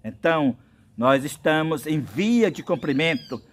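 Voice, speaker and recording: A man from Brazil delivers a prophetic sermon in a high voice. He speaks slowly and insistently, stacking up biblical references. His preaching is earnest and drawn out. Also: expressive.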